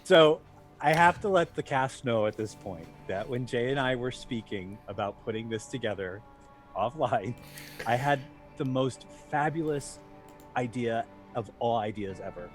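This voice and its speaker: A man's voice: medium pitch, unhurried, faint music behind. A man hosting a cast wrap-up conversation, upbeat as he asks the players questions. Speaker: host.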